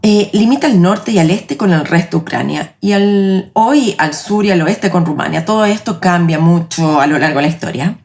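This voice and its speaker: A woman in her late forties with a Chilean accent, hosting her own podcast in a reflective, measured, personal narration. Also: fairly low pitch, expressive, vocal fry, darkish tone. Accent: Chilean Spanish. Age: 40s. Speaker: podcast host.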